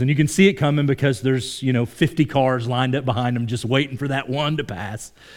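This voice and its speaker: A man with an American accent has a plain, everyday voice. His pitch is medium, with ordinary pitch variation. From Oklahoma. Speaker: pastor. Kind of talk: sermon.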